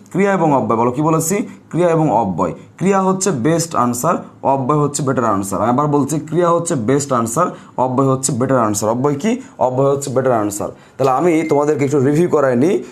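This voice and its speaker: A man teaches a grammar lesson in a fairly high voice. He repeats every point and keeps asking his students questions so they write it down. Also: a little mellow.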